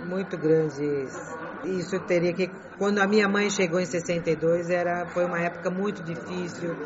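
A middle-aged woman whose first language is Chinese, answering interview questions in a halting way, repeating phrases and restarting words. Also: lowish voice, fairly even intonation. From grew up in Beijing, China. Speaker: interview guest. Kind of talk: conversational interview. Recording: muffled with crowd murmur behind.

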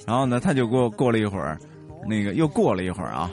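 A man telling a story in casual chat, animated and laughing often, with many restarts. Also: on the low side, fast, soft background music.

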